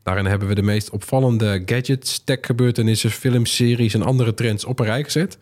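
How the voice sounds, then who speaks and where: A man's voice: mid-range voice, steady tone, a little fast, a little mellow. A man, presenting and chatting as a podcast host.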